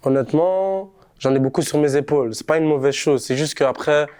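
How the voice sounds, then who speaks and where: A young man from Montreal, a rapper, talking casually in a relaxed, slangy street manner during an interview. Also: fairly high pitch, a little fast. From Montreal, Canada. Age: young adult. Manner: laid-back, slangy street talk.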